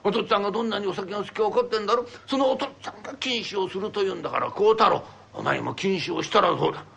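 A man's voice: high-pitched, rapid-fire, creaky, bright, forceful tone, a little hiss or hum, heavily acted. A man doing a wheedling old merchant dad. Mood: earnest, coaxing. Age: older. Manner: coaxing, stammering, whiny pleading. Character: fond, wheedling old merchant father who loves sake. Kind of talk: rakugo storytelling.

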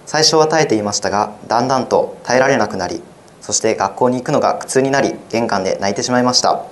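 Teenage boy, plain even reading, mid-pitched voice, own essay. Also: quick pace, slight background noise. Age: teens. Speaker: high school student. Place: radio studio.

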